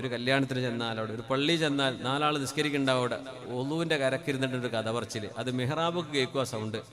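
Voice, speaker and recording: A man preaching a sermon into a microphone. He moves between quiet conversational asides and loud, drawn-out chanted passages. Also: medium pitch. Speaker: Islamic preacher.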